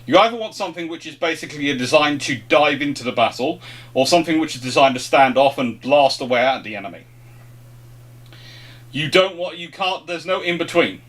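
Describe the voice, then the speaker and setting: A man's voice: fairly high pitch, expressive, brisk, a bit bright. A man hosting an informal question-and-answer chat, explaining things off the cuff and often rephrasing mid-thought. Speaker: host of a history question-and-answer show.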